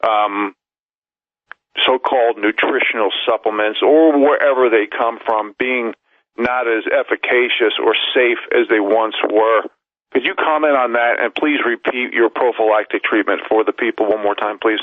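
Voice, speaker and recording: A man's voice: medium pitch, fairly even intonation, moderate pace, no room sound. A man of sixty hosting a radio interview, asking polite, rambling questions with many fillers. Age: 60s. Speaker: radio host. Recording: tinny phone line.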